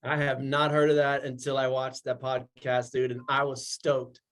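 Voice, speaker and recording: A man in his forties, a guest actor in a casual interview, talking with eager, animated energy and frequent laughter. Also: medium pitch, normal speed. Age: 40s. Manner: excitable and animated, laughs often.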